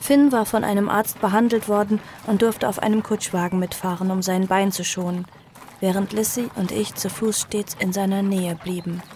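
A woman playing a young survivor who tells her own story in an audio drama, earnest, sorrowful and measured. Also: mid-range voice, steady tone, a little mellow, slight background noise, close to an everyday voice. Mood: measured, wistful. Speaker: narrator and protagonist. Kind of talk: audio drama first-person narration.

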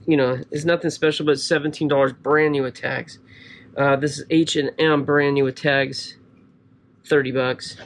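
A man in his thirties talks to himself and his viewers as he sorts through boxes, with a slightly higher voice than most men. His remarks come in loose, chatty bits. A faint hum of the room sits behind him. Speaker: storage locker reseller. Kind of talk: casual unboxing commentary to camera. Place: cluttered storage room indoors.

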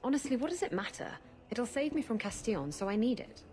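A woman's voice: on the high side, lively intonation, fast talker, warm tone, close to an everyday voice. A woman, an actress playing a roguish, self-interested adventurer in a fantasy game, with a casual, flippant, persuasive manner. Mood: matter-of-fact, evasive. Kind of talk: game dialogue acting.

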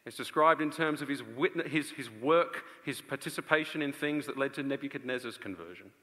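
A man in his thirties preaching a live sermon with earnest, rhetorical delivery and dramatic pauses. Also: mid-range voice, pushed and bright. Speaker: preacher and conference speaker. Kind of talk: live sermon to a large audience. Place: stage of a large indoor auditorium. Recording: long reverb of a large auditorium.

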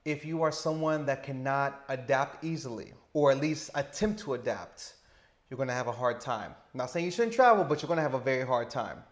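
A man in his thirties with a stutter, talking slowly and deliberately as an interview guest on a lapel mic indoors. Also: mid-range voice. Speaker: interview guest, teacher living abroad. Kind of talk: casual interview. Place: indoor lounge with sofa.

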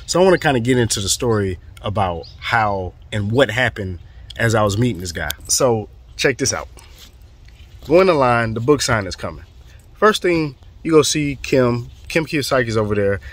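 A man from the southern United States with a hoarse, fading voice, telling an animated, profane story in a casual vlog. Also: medium pitch, normal speed. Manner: animated, profane, acts out quotes. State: hoarse, voice going. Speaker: real estate vlogger.

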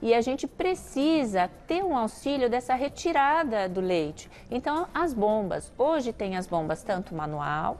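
Brazilian woman doctor explaining, higher voice. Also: big pitch swings, unhurried, hardly any pauses, a little mellow. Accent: Brazilian Portuguese. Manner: explanatory, advising, fluent. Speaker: gynecologist guest. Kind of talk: TV talk show explanation.

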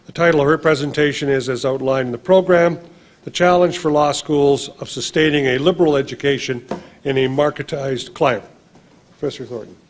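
A man's voice: mid-range voice, steady tone, a little fast. A man moderating a panel, formally introducing the next speaker at a lectern microphone in a large hall. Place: large lecture hall, indoors.

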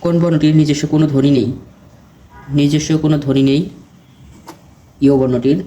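Speaking a little fast in a fairly high voice, a man leads exam preparation by reading quiz questions aloud and supplying each answer in a steady question-and-answer recitation.

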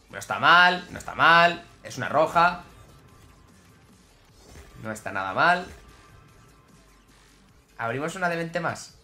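A man with a Spain Spanish accent giving excitable gameplay commentary to his viewers, swinging from grumbling to yelling. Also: on the high side. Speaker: gaming YouTuber.

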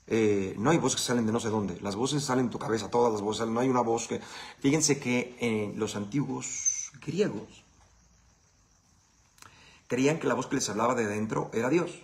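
A man's voice: medium pitch, moderate pace. A man with a Mexican Spanish accent hosting a casual live Q&A. He answers viewer questions in a blunt, profane, conversational way.

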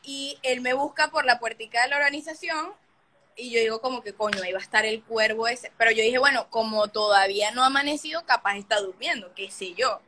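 A woman's voice: a little high, brisk, pushed and bright. A young woman, hosting a livestream and telling a story casually and animatedly, swearing often and acting out the scenes. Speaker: livestream host.

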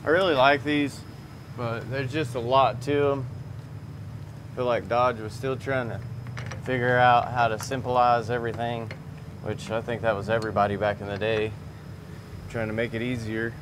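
A transmission mechanic speaks at a moderate pace with long pauses, his mid-range voice showing little pitch movement. He presents a video, chatting casually and folksily with viewers as he works under a lifted truck in an auto repair garage. The camera is a few meters away, and garage noise can be heard clearly behind him.

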